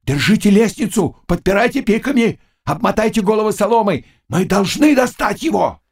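A man voicing an old cossack who shouts urgent commands. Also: high voice, animated, moderate pace, vocal fry, voice pushed up, exaggerated voice. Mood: commanding. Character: old male cossack barking orders.

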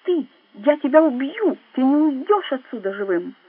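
A furious, proud colonel, as a woman reader puts him on, spits threats and raises his voice. The tone is husky and slightly breathy. The sound is thin and narrow, like a phone line, and it plays as an audiobook. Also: high-pitched, big pitch swings, normal speed, no echo, heavily acted. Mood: enraged. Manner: shouting, hissing threats. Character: furious proud middle-aged male colonel.

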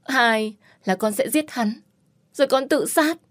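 A woman voicing a shrill, grieving young woman. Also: a little slow, dry recording, close to an everyday voice. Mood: pleading. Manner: shouting and sobbing pleas. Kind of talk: audiobook character voice.

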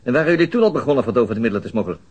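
An actor playing a calm, persistent male detective questioning a suspect in a radio drama, dry and insistent. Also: medium pitch, racing, breathy edge. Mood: steady. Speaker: interrogating detective.

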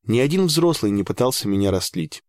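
Low-voiced man reading a dry audiobook. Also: very animated, fairly quick, darkish tone, no echo. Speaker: audiobook narrator. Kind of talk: first-person audiobook narration.

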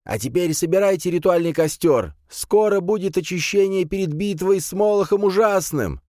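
A man voicing an excitable old male tribal priest, fervent and loud. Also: moderate pace, no room sound, clean studio sound, natural voice. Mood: ecstatic shouting. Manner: shrill, fervent, shouting.

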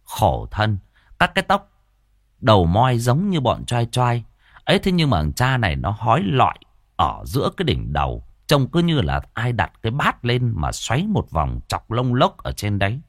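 A man telling a comic folk tale in a lively, mocking way. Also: mid-range voice, normal speed, dry recording. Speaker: storyteller. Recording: dry close voice.

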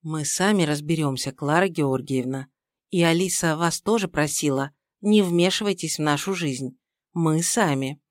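A young father weighed down by guilt, who speaks quietly and holds back, as a woman reads him in an audiobook. The voice sits fairly low and soft. The recording is dry and close. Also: moderate pace, no echo, close to an everyday voice. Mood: restrained. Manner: subdued, soft-spoken.

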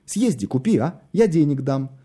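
A man's voice: on the high side, very animated, normal speed, warm tone, breathy edge, voice pushed up. A man doing an exasperated, grumbling producer. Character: irritable male advertising producer.

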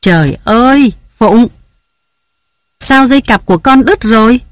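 A reader voicing a harried young mother who scolds her children in a raised, hurried voice. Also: mid-range voice, warm tone, dry recording, studio quality, close to an everyday voice. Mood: scolding, frantic. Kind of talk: audiobook character voice.

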